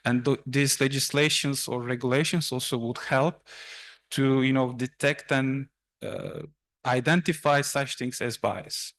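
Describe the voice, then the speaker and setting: A man's voice: mid-range voice, fairly even intonation, a bit bright. Man lecturing with a Turkish native tongue. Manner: halting, many fillers and restarts, explaining slides. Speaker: university seminar speaker. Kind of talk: academic presentation. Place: university seminar room.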